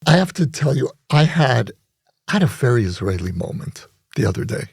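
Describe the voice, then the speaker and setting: A man co-hosting a podcast discussion, telling stories in a reflective, measured way. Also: medium pitch, sing-song, vocal fry, slightly rough, no echo, clean studio sound. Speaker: podcast co-host.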